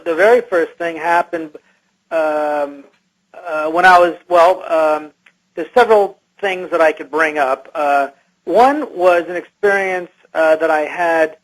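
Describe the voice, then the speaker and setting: A man speaking through a voice-altering effect, recounting personal experiences haltingly as a guest in a radio interview. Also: on the high side, low-quality recording. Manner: hesitant, halting. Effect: electronically altered disguised voice.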